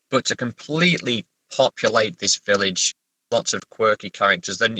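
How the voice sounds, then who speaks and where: A man from England chatting casually as an interview guest, halting and self-correcting, with a wry way of telling stories. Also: fairly low pitch, bright, forceful tone, no echo, poor audio. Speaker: horror novelist and therapist guest. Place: sitting in a parked car.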